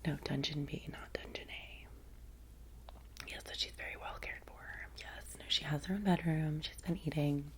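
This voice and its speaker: Whispering Valley girl assistant, acted by a woman, low voice. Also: steady tone, moderate pace, fairly bright tone. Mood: casual, gossipy. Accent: American Valley girl. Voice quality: breathy whisper. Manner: casual, rambling, filler-heavy Valley girl talk. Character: chatty, vain young female assistant to a vampire master. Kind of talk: soft-spoken ASMR roleplay.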